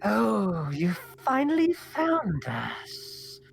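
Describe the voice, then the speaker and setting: A man voicing a hunched, gangly old hag woman who talks in a slow, high, drawn-out voice. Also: huge pitch swings, vocal fry, slight background noise, full character voice. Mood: wary.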